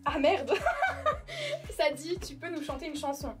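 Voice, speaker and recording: A woman from the Paris region with a fairly high voice, chatting casually on a blind date. She is giggly and teasing. Music plays clearly behind her. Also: big pitch swings, a little slow. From Paris region, France. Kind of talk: casual chat.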